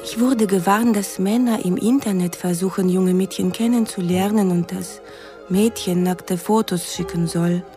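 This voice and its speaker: A woman's voice: mid-range voice, fairly even intonation, moderate pace, music in the background, lightly acted. An actress playing an earnest young woman, carefully reading out her lovelorn letters in a radio drama. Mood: cautious, earnest.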